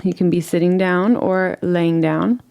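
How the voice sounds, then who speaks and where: A woman leading a guided relaxation meditation in a gentle, soothing, unhurried way, leaving long pauses between phrases. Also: lowish voice, fairly even intonation, vocal fry, clear, resonant tone.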